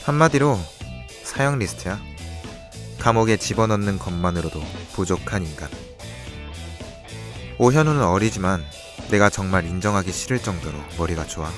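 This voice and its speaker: A young man playing a cool, calculating character who reveals a crime's secrets in a measured, knowing way in an audio drama. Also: low-pitched, animated, music in the background. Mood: grave, explaining. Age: young adult. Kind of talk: audio drama acting, expository dialogue.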